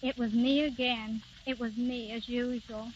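An actress playing a scatterbrained, well-meaning young wife who chatters to please, in 1930s radio drama style on an old radio broadcast. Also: female voice, a little high, flat delivery, a little slow, dull audio, slight background noise. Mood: contrite.

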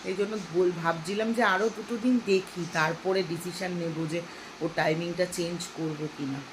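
A woman's voice: fairly low pitch, fairly even intonation, normal speed, noisy background. A woman in her thirties chatting casually to viewers as she goes about her day at home and cooks. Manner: chatty, talks straight to viewers in a homely way. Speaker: vlogger and mother. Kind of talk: casual daily-life vlog narration. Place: home kitchen and rooms, indoors.

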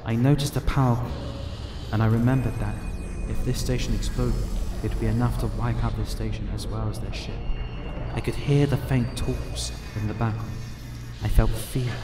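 An actor playing a haunted, grieving but determined survivor on a space station, narrating a first-person audio drama. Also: male voice, mid-range voice, steady tone, normal speed, lightly acted. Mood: haunted, fearful. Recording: echoey, loud music behind the voice.

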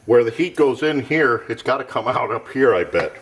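A man's voice: mid-range voice, lively intonation, normal speed, a little hiss or hum. A man casually narrating a camping stove test off camera in a cluttered home workshop, thinking aloud in a plain, matter-of-fact way. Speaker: gear tester.

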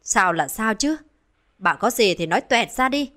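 A woman's voice: medium pitch, lively intonation, normal speed, fairly bright tone, lightly acted. A woman voicing a distraught older village man who talks in frantic, stammering repeats. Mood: accusing. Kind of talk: dramatized horror storytelling.

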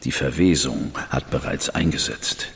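With a very deep, creaky male voice, an actor portrays a reserved investigator who is brother to a famous detective in a German radio drama. He speaks in a measured, dry, withholding manner, and the recording carries long reverb and music underneath.

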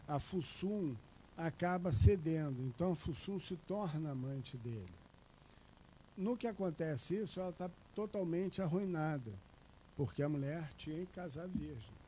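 A man's voice: a little high, warm tone, a little hiss or hum. A middle-aged man with a Brazilian Portuguese accent giving an informal lecture from a panel table, talking in a chatty, digressive way with many fillers and tag questions. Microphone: table microphone on a stand.

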